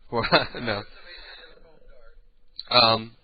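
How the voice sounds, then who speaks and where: An older man with a raspy, booming voice and clogged sinuses hosts a casual, profane late-night radio talk show. He rambles through stories and keeps clearing his throat. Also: phone-quality sound.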